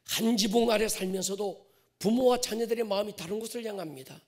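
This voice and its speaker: A male pastor preaching a sermon to his congregation, swinging from loud stressed phrases to whispered endings and drawing out key words. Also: sits high. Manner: addresses the congregation directly, drawn-out stressed words.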